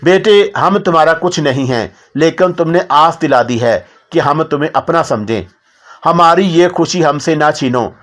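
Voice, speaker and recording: A man voicing an anxious, motherly middle-aged lady of the house who pleads gently. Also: fairly high pitch, moderate pace, natural voice. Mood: sorrowful. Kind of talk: audiobook character voice.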